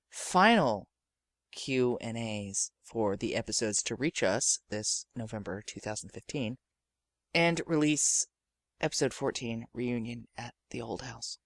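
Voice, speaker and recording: With a bass-register voice and a dry, echo-free sound, this woman introduces her podcast. She's a podcast host and audio drama maker whose delivery is dramatic and gushing, slipping into performed voices whenever she quotes someone.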